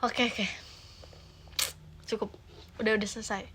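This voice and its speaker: Brief: young-sounding woman streamer, high bright voice, casual, brisk. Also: flat delivery, a little hiss or hum. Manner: brisk, wrapping up skits. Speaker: live-stream host. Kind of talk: casual chat on a live stream.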